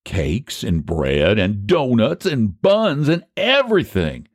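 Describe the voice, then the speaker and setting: Storybook role: male reader as a scheming country American pie baker, emphatic and persuasive, raised pitch, very animated, dry sound. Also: measured pace, dry recording, exaggerated voice. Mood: triumphant. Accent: rural American. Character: scheming, triumphant rural American pie baker, homespun man.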